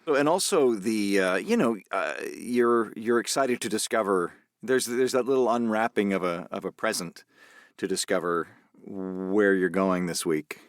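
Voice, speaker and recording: A man, an actor guest on a podcast, talking things through thoughtfully and haltingly. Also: fairly low pitch, no echo, studio quality. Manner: thoughtful, halting, many fillers and restarts. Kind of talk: casual interview chat.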